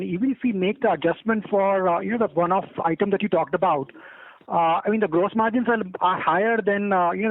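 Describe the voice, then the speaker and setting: A man, an analyst asking a question on a conference call over the phone, polite and halting, saying "sir" often. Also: sits high. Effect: speaking over the phone. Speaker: analyst calling into an earnings call. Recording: tinny phone line.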